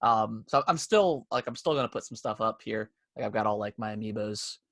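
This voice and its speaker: A man's voice: fairly low pitch, brisk, a bit bright, dry recording, clean studio sound. A young man co-hosting a podcast from his home office, stuffy from allergies and rambling through casual chat with lots of fillers and restarts. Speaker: podcast co-host. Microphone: desk setup with camera.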